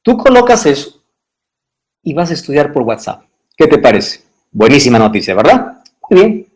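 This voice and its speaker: A man preaching as a pastor on a livestream, talking straight to viewers, checking often that they follow and spelling out numbers slowly. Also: fairly high pitch, low-quality recording. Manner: animated, addresses viewer directly with frequent checks.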